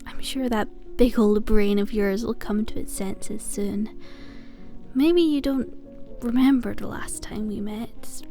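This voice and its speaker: A woman playing a possessive, lovesick asylum inmate in an ASMR roleplay, cooing endearments with breathy sighs and a sweetly menacing edge. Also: medium pitch, slow, mellow, faint music behind. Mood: teasing, doting, controlling. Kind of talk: ASMR roleplay, intimate scripted monologue.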